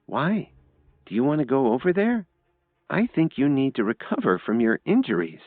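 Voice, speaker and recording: Man doing a high-voiced shy young woman, anxious, hesitant, tinny dry sound. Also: very animated, normal speed, no echo. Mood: worried. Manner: soft, hesitant and worried.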